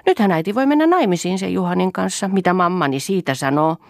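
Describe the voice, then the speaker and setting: A woman's voice: rumbling low, no echo, studio quality. A woman reading an audiobook, voicing a playful, teasing young daughter in a mock-innocent manner.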